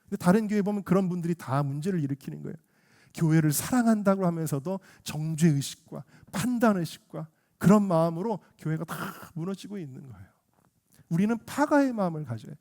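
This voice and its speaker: A man's voice: a little high, animated, fairly quick, gravelly, mellow. A male senior pastor preaching a Sunday sermon with emphasis, often putting questions to the congregation.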